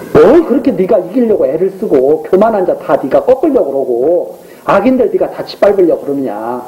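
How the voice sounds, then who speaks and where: A man's voice: high voice, dark tone, slight background noise, poor audio. A man preaching an evening sermon as pastor, reading scripture aloud and explaining it in plain, conversational speech. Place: church.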